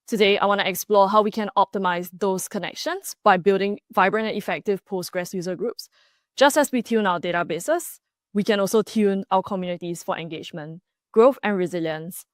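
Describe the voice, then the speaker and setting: A woman's voice: medium pitch, brisk, no echo, clean studio sound. A woman from Singapore in her thirties presenting a prepared conference talk with enthusiasm, with a few small restarts. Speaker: conference speaker.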